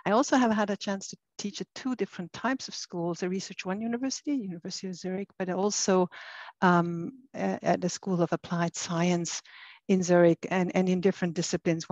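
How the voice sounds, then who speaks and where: A woman with a Swiss accent speaks on an online panel through a laptop webcam, her voice a little low and the audio dull and lo-fi. She talks in an earnest way, restarting phrases as she goes. The sound is dry, with no room around it. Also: darkish tone, dry recording. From Switzerland. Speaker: university lecturer. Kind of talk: panel presentation. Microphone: laptop webcam on a video call. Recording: dull lo-fi video call audio.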